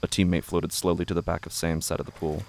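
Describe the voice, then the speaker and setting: A man reading scripted, literary narration for a horror audio drama in a measured, brooding way. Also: low voice, level tone, a little hiss or hum.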